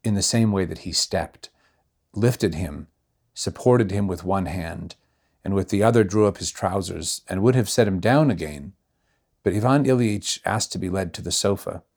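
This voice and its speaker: A man reading a classic novella aloud in measured, unhurried narration. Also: low voice, darkish tone. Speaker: reader. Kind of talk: audiobook narration.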